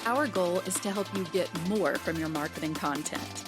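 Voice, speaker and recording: A woman's voice: fairly low pitch, moderate pace. A woman reading a polished, scripted podcast intro. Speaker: show announcer. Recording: voice over clear music.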